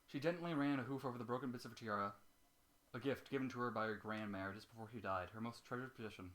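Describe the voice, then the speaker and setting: A man's voice: medium pitch, fast, a bit bright. A man hosting an amateur reading, moving between casual banter with some swearing and story narration. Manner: profane, joking. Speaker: host reading fan fiction aloud.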